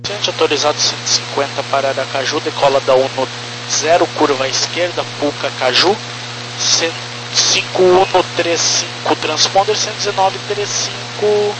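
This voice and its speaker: Higher-voiced Brazilian male pilot on radio. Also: fairly even intonation, moderate pace. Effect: aviation radio. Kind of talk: procedural clearance readback. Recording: humming, noisy aircraft radio.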